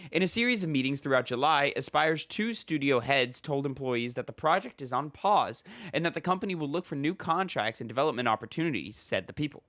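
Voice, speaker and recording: A man's voice: mid-range voice, fairly bright tone, no room sound, studio quality. A man hosting a casual gaming podcast with a slightly stuffy nose, rambling with fillers and reading news articles aloud. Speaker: podcast host.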